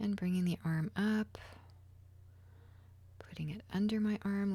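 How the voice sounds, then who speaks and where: A woman speaks at a moderate pace and medium pitch, her dark, mellow voice somewhat breathy and soothing in tone, with long, frequent pauses. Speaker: massage therapist. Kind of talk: ASMR massage instruction. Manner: soothing, soft-spoken.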